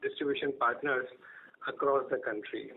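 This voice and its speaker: A man with an Indian accent answering questions on an earnings call as a company executive, explaining things in a measured, halting way. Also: medium pitch, steady tone, husky. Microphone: telephone conference line. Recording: noisy narrow-band phone conference line.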